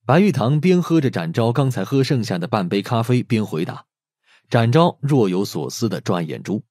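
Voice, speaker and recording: Husky, mellow male story narrator. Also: medium pitch, big pitch swings, normal speed, no room sound, clean studio sound. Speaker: audiobook narrator. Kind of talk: scripted dramatic story narration. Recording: faint music under the voice.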